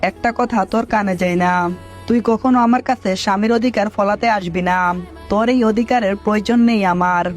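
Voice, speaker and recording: A scornful, hot-tempered young wife hurls insults at her husband, as a male storyteller reads her lines. The voice sits high and the delivery is harsh and scolding. Soft music plays faintly underneath. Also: normal speed, natural voice.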